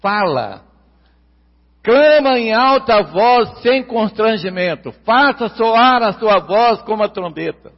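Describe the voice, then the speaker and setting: Husky high-voiced Brazilian preacher, echoing hall. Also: male voice, expressive. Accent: Brazilian Portuguese. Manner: emphatic, repeats key words, stretches them slowly. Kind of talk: sermon. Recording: long hall reverb, dull lo-fi sound.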